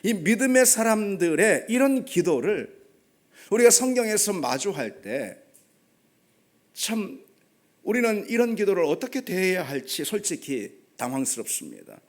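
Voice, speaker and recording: Man preaching, pretty high voice that swoops around, acts out the prayers dramatically. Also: very animated, measured pace. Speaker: pastor. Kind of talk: sermon.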